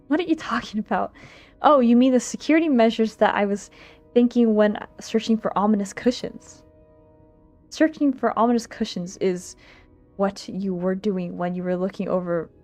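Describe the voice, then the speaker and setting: Giggly woman streamer over clear background music. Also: mid-range voice. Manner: giggly, expressive, stumbles while reading aloud. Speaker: streamer, VTuber. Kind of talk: livestream visual novel read-aloud with chat asides. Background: game music.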